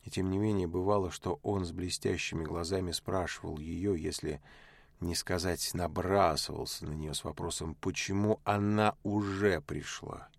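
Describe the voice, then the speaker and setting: Very deep, gravelly male narrator. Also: fairly even intonation, no echo. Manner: measured, unhurried storytelling. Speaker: audiobook narrator. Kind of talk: literary audiobook narration.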